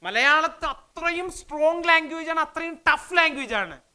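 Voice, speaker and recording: A woman from Kerala, teaching spoken in an energetic, emphatic way, firing off rhetorical questions and mixing into her talk. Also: extremely high pitch, normal speed. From Kerala, India. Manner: energetic, emphatic, fires rhetorical questions, mixes English into Malayalam. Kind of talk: motivational language lesson.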